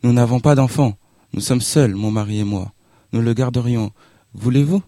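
A man reading a story aloud, voicing a spoiled young wife who pleads in a halting, trembling way. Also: mid-range voice, dark tone, dry recording, studio quality, natural voice. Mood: pleading.

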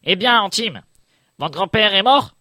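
A male reader voicing a gentleman cousin who speaks with proper, authoritative diction, in a dry audiobook recording. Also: sits high, expressive, a little slow, no echo, pitched above the performer's own voice, exaggerated voice. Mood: questioning. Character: gentleman cousin, commanding and impatient.

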